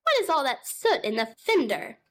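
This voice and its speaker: A woman voicing a brisk, stern neighbor cat in a storybook reading, speaking firmly and steadily. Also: sits high, sing-song, pitched above the performer's own voice. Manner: firm, measured, unflustered.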